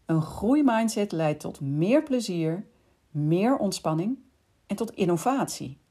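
A woman hosting a podcast, calmly explaining in scripted narration and speaking directly to the listener. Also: mid-range voice, slow, husky. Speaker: podcast host.

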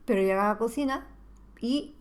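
A woman's voice: on the high side, moderate pace. A woman talking through a reflective monologue on parenting, asking the listener rhetorical questions. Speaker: parenting podcast host.

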